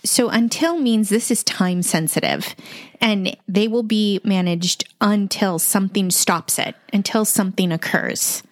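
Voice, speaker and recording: A woman co-hosting a Bible study, discussing scripture conversationally with reflective, measured phrasing. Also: medium pitch, no room sound, studio quality. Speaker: Bible study podcast co-host.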